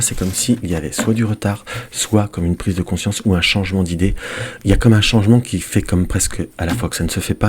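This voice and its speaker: Hoarse deep-voiced man reading tarot cards. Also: slight background noise. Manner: chatty, addresses viewers as dear friends; counts cards aloud softly. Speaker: tarot card reader. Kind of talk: weekly tarot guidance video. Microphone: desk microphone.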